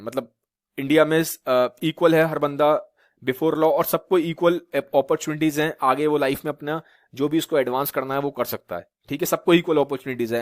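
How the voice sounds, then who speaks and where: A man from Uttar Pradesh gives a classroom lecture in a slightly high voice. He keeps asking rhetorical questions and checks with his students as he explains. The sound is dry and close, with no room echo. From Uttar Pradesh, India. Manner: repetitive rhetorical questions, frequent "theek hai" checks. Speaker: teacher. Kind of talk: classroom lecture in Hindi mixed with English.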